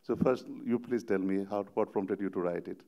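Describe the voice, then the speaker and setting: A man interviewing an author on a festival stage, halting and repeating words as he asks long questions. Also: low voice, warm tone. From Madhes, Nepal. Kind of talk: literary panel interview.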